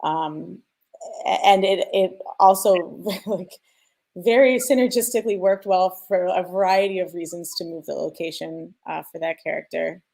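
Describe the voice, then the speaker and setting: A woman's voice: lowish voice, moderate pace, gravelly, darkish tone. A woman explaining her craft in casual panel talk, informal and thinking aloud with rhetorical questions. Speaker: sound designer on a panel.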